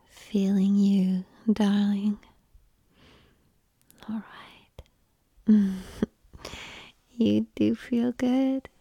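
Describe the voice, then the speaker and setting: Woman whispering super slow into a close mic, breathy, calm coaxing asmr. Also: on the high side, no echo. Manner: soft unvoiced whispering.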